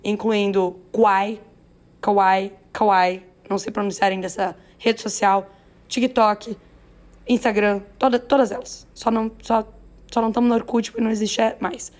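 A hoarse, raspy-voiced woman with a Brazilian accent, hosting a news podcast in a chatty, playful way with self-deprecating asides. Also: mid-range voice, steady tone, normal speed, a little mellow. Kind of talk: chatty, conversational news narration.

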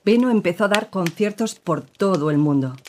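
An actress playing a woman who gravely recounts her partner's past in an audio drama, with measured, serious storytelling. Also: medium pitch, animated, noisy background, close to an everyday voice.

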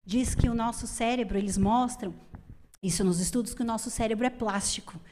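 Lively woman preaching to women. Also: a little high, fairly quick, slight background noise. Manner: lively, emphatic, asks the audience questions. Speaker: women's ministry speaker. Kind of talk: church talk to women.

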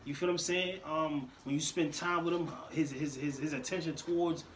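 A man as a guest on a casual chat show, giving advice in a slangy, drawn-out way. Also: a little high, steady tone, slight background noise.

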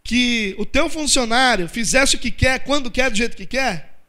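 Pastor, very high voice, lively intonation, emphatic sermon full of rhetorical questions. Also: male voice, normal speed.

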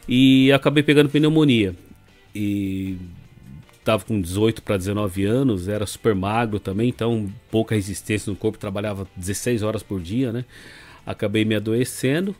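A middle-aged Brazilian man from Brazil, a podcast guest relaxedly telling his story with lots of filler tags. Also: on the low side. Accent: Brazilian Portuguese. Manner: relaxed, rambling, leans on fillers and tag questions. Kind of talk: casual storytelling interview.

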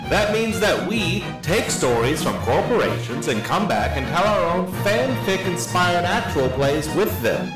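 Brash high-pitched man pitching a podcast. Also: echoey room, poor audio. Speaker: podcast presenter in a promo. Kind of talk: scripted promotional pitch.

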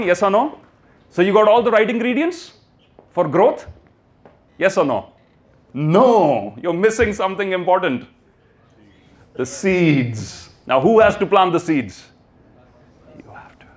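A man's voice: high-pitched, sing-song, unhurried, pauses often. A man with a North Indian accent giving an emphatic motivational talk to a live audience, prompting listeners with questions and repetition. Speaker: motivational speaker.

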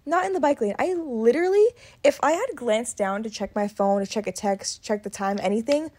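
A young woman in her twenties with a slightly high voice chats on a podcast. She tells her stories in an animated rush, full of "like" and quick restarts. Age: 20s. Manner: chatty, animated storytelling full of "like". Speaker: podcast co-host. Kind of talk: casual chat.

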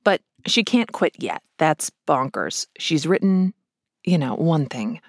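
A woman's voice: low-pitched, big pitch swings, slow, no echo, studio quality. A woman hosting a podcast, narrating in a wry, playful scripted style with joking asides. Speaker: podcast host.

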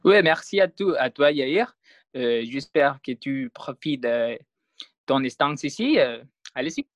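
Man, podcast host, slow halting delivery, many restarts, dry close sound. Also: medium pitch, animated, dry recording. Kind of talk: hesitant scripted podcast intro.

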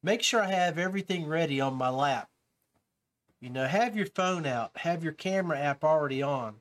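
A man hosts a podcast in a relaxed, rambling way, with fillers and restarts. His voice sits a little high for a man. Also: moderate pace. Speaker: podcast host. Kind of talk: casual podcast talk.

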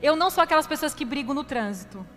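A high-pitched woman pastor preaching in a church hall, her voice ringing with a long reverb while faint music plays underneath. She tells her story in an animated, confessional way, teasing herself and turning to the congregation again and again. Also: fast talker. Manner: animated, confessional and self-mocking, talks directly to the congregation. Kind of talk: sermon with personal storytelling.

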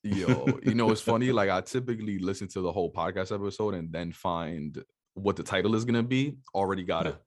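A man hosting a podcast, upbeat and energetic, chatting in slangy, casual speech and greeting listeners in Spanish. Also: low voice, brisk. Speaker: podcast host. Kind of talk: casual podcast intro and interview.

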